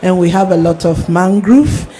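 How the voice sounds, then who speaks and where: A woman's voice: lowish voice, normal speed, warm tone, slight background noise. A woman from Nigeria speaking from the audience, hesitant with fillers. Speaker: audience member. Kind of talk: question from the floor.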